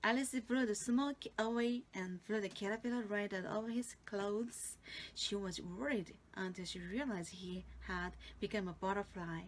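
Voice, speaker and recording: A woman's voice: mid-range voice, normal speed, a little hiss or hum, low-quality recording. A woman with a Korean accent, a native Korean speaker, playfully reading a fairy tale aloud and adding asides for learners. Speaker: storytelling teacher.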